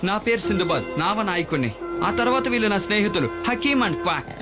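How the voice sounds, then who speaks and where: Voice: medium pitch, lively intonation, fast talker, close to an everyday voice. An actor voicing a brave, helpful young male sailor captain in a dubbed cartoon, decisive and reassuring. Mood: friendly, confident. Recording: dull lo-fi cartoon soundtrack, loud music.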